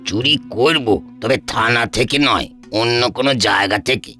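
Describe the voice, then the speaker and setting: A man's voice: mid-range voice, measured pace, bright, forceful tone, faint music behind. A man voicing a matter-of-fact, scheming henchman to a thief in a comic cartoon. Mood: inquiring, scheming. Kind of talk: comic Bengali cartoon dialogue.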